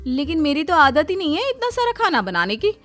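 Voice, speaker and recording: A woman voicing a frank young daughter-in-law in a cartoon who protests in an animated way. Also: sits high, fairly quick, soft background music. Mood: protesting.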